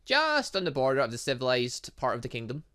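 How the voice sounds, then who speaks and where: A man's voice: mid-range voice, huge pitch swings, fast, sharp tone, clear, resonant tone. A man voicing a playful, evasive teacher from a visual novel game, teasing and theatrical as he reads the dialogue. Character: playful, evasive teacher fond of their students.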